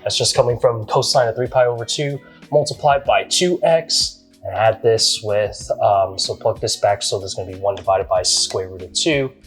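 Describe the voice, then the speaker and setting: A man's voice: fairly low pitch, normal speed, soft background music. A man explaining a math problem step by step in a casual, hesitant way, with many ums and restarts. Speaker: math tutor.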